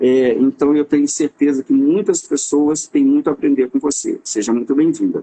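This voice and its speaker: The audio is dry and close, without any echo. A man talks through it at a moderate pace. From Brazil, Minas Gerais (Juiz de Fora). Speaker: interviewer, former ballet dancer. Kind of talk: interview. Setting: live online video call.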